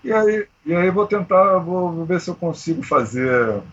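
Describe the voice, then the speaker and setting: A man of around sixty with a husky voice, chatting informally and slangily as he tells stories. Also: sits high, lively intonation, normal speed, a bit bright, highs cut off. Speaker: amateur triathlete, interview guest. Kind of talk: casual chat, storytelling.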